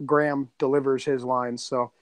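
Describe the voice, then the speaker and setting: A man's voice: medium pitch, level tone, moderate pace, no room sound. A man chatting casually as a podcast co-creator, rambling and repeating his phrases as he goes. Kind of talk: casual chat.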